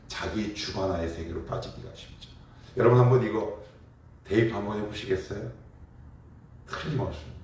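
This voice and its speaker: A man preaching a morning prayer sermon as pastor, explaining with rhetorical questions and acting out everyday dialogue. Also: lowish voice. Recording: very echoey, mic far off.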